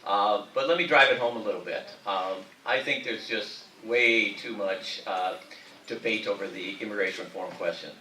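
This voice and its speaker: A man's voice: lowish voice, moderate pace, sharp tone, slight background noise. A man answering emphatically as a candidate in a political debate. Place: debate hall. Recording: echoey hall from far off.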